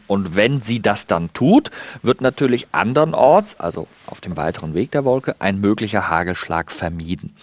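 A man's voice: mid-range voice, a little mellow, no echo. A man who is a weather expert, patiently explaining on a radio call-in and stressing points now and then. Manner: patient, explanatory, emphatic at times.

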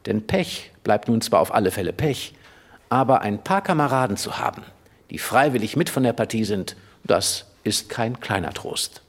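Husky male reader, lively literary reading, then thoughtful talk. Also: on the low side, moderate pace. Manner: lively character voices. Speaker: reader and guest.

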